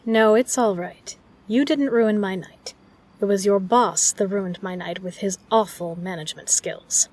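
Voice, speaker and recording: A woman's voice: mid-range voice, measured pace, a little mellow, close to an everyday voice. A woman playing a kind, protective, flirtatious bar regular in an audio roleplay, speaking earnestly and reassuringly to the listener. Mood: soothing.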